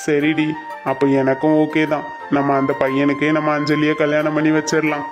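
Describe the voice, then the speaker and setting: A man voicing a gruff, stubborn middle-aged husband and father who speaks curtly. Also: fairly high pitch, monotone, moderate pace, close to an everyday voice. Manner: gruff, curt. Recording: soft music underneath.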